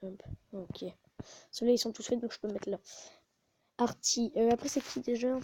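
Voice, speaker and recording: A woman's voice: on the high side, steady tone, normal speed, dark tone, slight background noise, rough recording. A woman hosting a casual gaming video, muttering to herself and often stopping to correct herself, recorded on a phone. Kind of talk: casual gameplay commentary.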